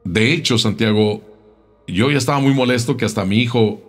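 A man telling a local tale in a casual, unhurried way, often repeating words as he goes. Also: mid-range voice, faint music behind. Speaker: storyteller.

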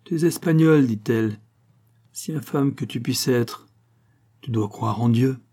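A man's voice: medium pitch, measured pace, mellow. A man voicing a fierce, jealous young Gypsy woman who threatens her lover with vehemence. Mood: intense.

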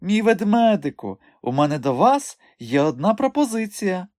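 A man's voice: sits high, very animated, moderate pace, a little mellow, no room sound, clean studio sound, voice pushed up. A man voicing a seductive middle-aged female circus owner who talks in a coaxing, flirtatious way.

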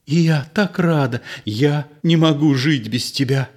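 A man's voice: fairly high pitch, a little slow, a little mellow, pitched above the performer's own voice. A man voicing an eager young woman. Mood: tender. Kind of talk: audiobook play reading.

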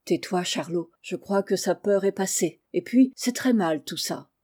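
A woman reading aloud, voicing a good-hearted, quick-witted maidservant. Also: fairly low pitch, warm tone. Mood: kindly. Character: kindly clever maidservant.

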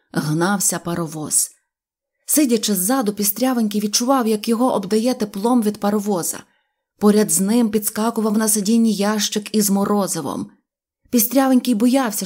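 Woman narrating a children's storybook. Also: medium pitch. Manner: lively, expressive reading. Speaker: audiobook reader.

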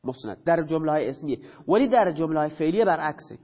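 Guy teaching grammar, pretty high voice, quizzes himself as he goes, muffled lo-fi audio. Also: expressive. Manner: poses questions and answers them himself; repeats key terms slowly. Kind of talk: explanatory grammar lesson. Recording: dull lo-fi recording.

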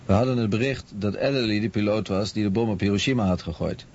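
A man's voice: on the low side, quick pace, a little mellow, close to an everyday voice. A man voicing a plain-spoken author in an interview voice-over translation. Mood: matter-of-fact. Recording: dull sound with faint noise.

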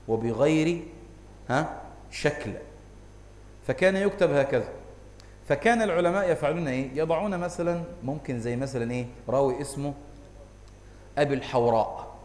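A man's voice: medium pitch, darkish tone. A man with an Egyptian accent teaching a religious lesson, constantly quizzing his listeners with rhetorical questions. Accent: Egyptian Arabic. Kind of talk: lecture on hadith scholarship. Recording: echoey hall, faint background noise.

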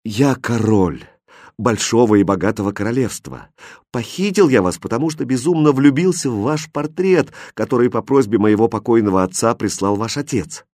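A man voicing a calm, gentle young king in an audiobook fairy tale, speaking softly and earnestly. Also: medium pitch, moderate pace, dry recording, clean studio sound, natural voice. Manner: soft, soothing, earnest.

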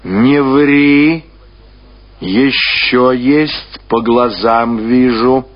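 A man's voice: mid-range voice, extremely slow, a little hiss or hum. A man voicing an imperious, short-tempered old landowner woman who barks suspicious questions and orders in a radio literary reading. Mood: suspicious, demanding. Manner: commanding, abrupt, interrogating. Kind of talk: dramatic reading of classic literature. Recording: dull archive radio recording.

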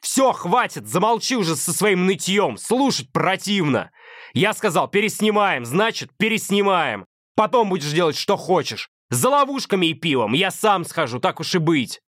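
A man voicing an angry, bullying young man who yells crude insults. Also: high voice, big pitch swings, moderate pace, no echo, clean studio sound, pitched above the performer's own voice, heavily acted. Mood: shouting. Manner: yelling, crude, contemptuous.

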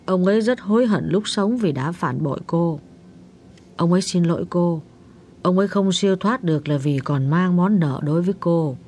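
A man voicing an older woman psychic who speaks gently but insistently, in an audiobook story. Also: high-pitched, moderate pace, slight background noise, pitched above the performer's own voice, natural voice. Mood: solemn. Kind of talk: audiobook character voice.

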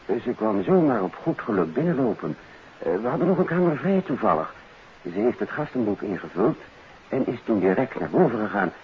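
An actor playing a deferential, eager hotel porter in a 1950s Dutch radio drama, hesitant and respectful. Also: male voice, fairly low pitch, big pitch swings, brisk. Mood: nervous, deferential. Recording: muffled, noisy 1959 radio recording.

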